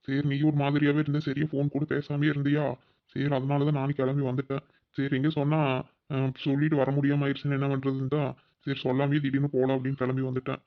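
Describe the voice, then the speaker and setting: A man's voice: mid-range voice, dull audio, close to an everyday voice. A man voicing a young husband back from abroad in a cartoon, tenderly soothing his tearful wife. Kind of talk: cartoon voice acting.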